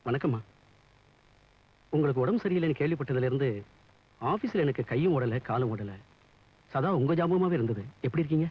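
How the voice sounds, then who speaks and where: A quick, smooth-talking young suitor. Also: male voice, medium pitch, lively intonation, darkish tone. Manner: polite, persuasive, cocky. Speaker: office worker. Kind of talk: 1980s Tamil film dialogue.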